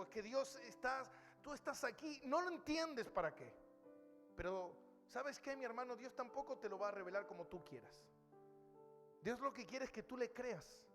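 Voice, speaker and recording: A man's voice: very high-pitched, a bit bright, in a large hall. A male pastor preaching a sermon, emphatic, calling his listeners brother. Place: church hall.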